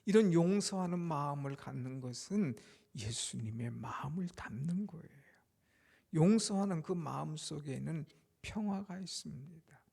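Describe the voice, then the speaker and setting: A male pastor preaching a Good Friday sermon, swinging from loud declarations to hushed whispers and leading the congregation in amens. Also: on the high side, expressive, a little slow, vocal fry, breathy edge. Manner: leads the congregation in amens and responses.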